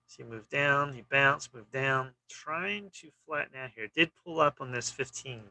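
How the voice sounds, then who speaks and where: A man's voice: mid-range voice, measured pace, pushed and bright, no echo, poor audio. A man hosting a stock trading channel, walking through charts in casual, clipped phrases and often saying "you know".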